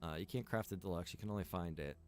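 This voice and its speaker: A man's voice: sits low, fast, a little mellow, soft background music. A man who runs and develops a game server, chatting casually on a livestream, rambling with lots of fillers and listing features one by one.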